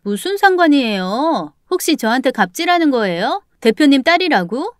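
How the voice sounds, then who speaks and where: A woman voicing a rude, defiant young female secretary with a sneering manner, pitched a little higher than her narration. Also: lively intonation, normal speed, no room sound, studio quality, natural voice.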